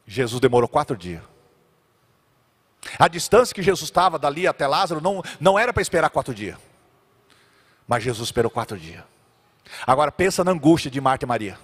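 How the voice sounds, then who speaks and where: A man preaching a sermon as pastor, dramatically acting out biblical characters and swinging between loud and quiet. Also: big pitch swings, a little fast, pauses often, slightly rough, long reverb tail. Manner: dramatic, acts out biblical characters with big swings in pitch and volume.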